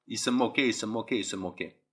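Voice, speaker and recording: A man's voice: lowish voice, fast, husky. A young man from Algeria giving an impassioned preaching testimony as a Christian convert, repeating himself and speaking straight to the listener. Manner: impassioned, repetitive, addresses listeners directly.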